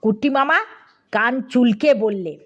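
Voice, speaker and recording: Woman narrator for a funny audiobook story; high, unhurried, playful delivery. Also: highs cut off. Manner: lively, comic, addressing listener.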